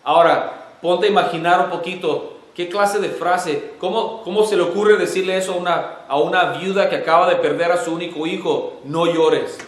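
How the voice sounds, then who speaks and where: A man preaching a sermon as pastor, earnest and emotional, building to forceful emphasis. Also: high-pitched, fairly even intonation, normal speed, reverberant. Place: church sanctuary.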